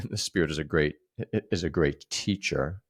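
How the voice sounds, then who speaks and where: A man co-hosting a literary discussion, speaking emphatically and haltingly, often repeating words as he reflects. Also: a bass voice, breathy edge. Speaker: co-host.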